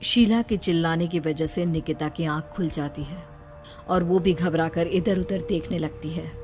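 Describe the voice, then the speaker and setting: A woman narrating a cartoon story in a brisk, blunt scripted manner. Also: sits low, music in the background.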